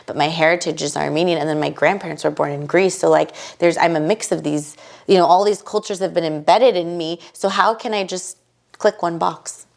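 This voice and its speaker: A woman from the United States, a guest on a podcast, talking in a casual, animated and emphatic way with many quick asides. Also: on the low side, gravelly. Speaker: podcast guest, bridal fashion entrepreneur. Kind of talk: casual conversational interview.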